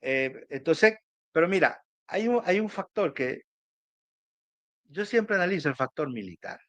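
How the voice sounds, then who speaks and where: A man with a Venezuelan Caribbean Spanish accent discussing politics conversationally as an analyst, emphatic and halting, repeating phrases for emphasis. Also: fairly high pitch, expressive, no echo.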